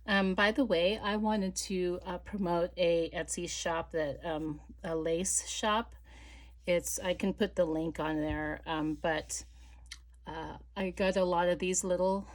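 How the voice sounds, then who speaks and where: A middle-aged woman chatting casually while she crafts, rambling with many fillers and dropping to soft murmurs as she works. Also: on the low side. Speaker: crafting vlogger.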